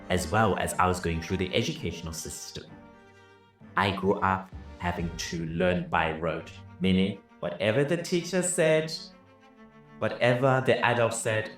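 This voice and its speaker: A man from Zimbabwe, a business and leadership coach, telling his own life story in an earnest, reflective way. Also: deep voice. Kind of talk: personal story told over music. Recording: roomy, somewhat distant mic with soft music. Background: soft violin music.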